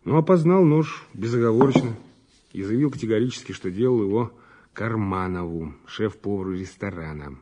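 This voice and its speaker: An actor playing a matter-of-fact police officer giving a plain, colloquial report in an audio drama. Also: male voice, on the low side, lively intonation, normal speed, mellow. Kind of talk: Russian audio drama acting.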